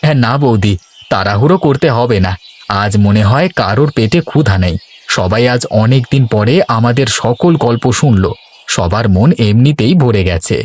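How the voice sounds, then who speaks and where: A man playing a reflective, contented sixty-year-old boat-dwelling river gypsy in a cartoon, talking in a measured way. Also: mid-range voice, expressive, a little mellow, natural voice. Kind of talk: cartoon dialogue acting.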